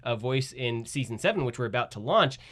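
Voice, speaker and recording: A man's voice: medium pitch, expressive, fairly quick, fairly bright tone, slight background noise. A man, a voice actor, talking casually and reflectively as a guest in a radio studio. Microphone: studio microphone.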